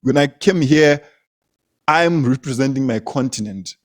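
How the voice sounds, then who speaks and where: A man's voice: mid-range voice, measured pace. A young man from Zimbabwe, a comedian, telling stories in casual conversation, laughing often and repeating words as he goes. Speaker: comedian, guest.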